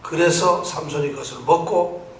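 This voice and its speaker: A male pastor delivers an animated sermon, firing questions at his congregation and repeating phrases until they answer back. His voice sits high for a man. It is picked up by a distant mic in an echoing church sanctuary with faint room ambience behind. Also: moderate pace, a little hiss or hum.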